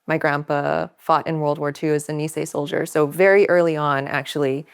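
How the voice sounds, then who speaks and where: A young American woman speaks as an interview guest in a notably low voice. She is earnest and thoughtful. Her delivery is that of reflective, personal storytelling. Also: fairly even intonation, moderate pace, vocal fry, clean tone. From Hawaii, United States. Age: young adult.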